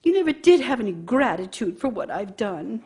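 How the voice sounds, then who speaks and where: A woman's voice: mid-range voice, big pitch swings, moderate pace, noisy background. An actress playing a bitter, nagging working wife who scolds her idle husband with scorn and sarcasm in a radio drama monologue. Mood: accusing, angry.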